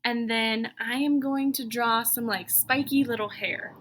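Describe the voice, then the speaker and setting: A woman's voice: on the high side, steady tone, a little slow, a bit bright, slight background noise, low-quality recording. A woman, a schoolteacher, leading children through a step-by-step drawing lesson with simple, encouraging instructions, thinking aloud as she goes. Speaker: elementary school teacher.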